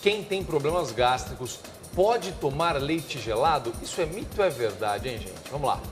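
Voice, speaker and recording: A man co-hosting a television talk show, lively and quick with reactions. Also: mid-range voice, soft background music. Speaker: TV show co-host. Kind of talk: live TV presenting.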